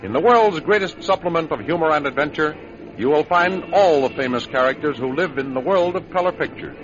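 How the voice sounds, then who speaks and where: Male 1930s radio announcer, measured and smooth, music bed, muffled recording. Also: on the high side, expressive. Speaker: announcer and narrator.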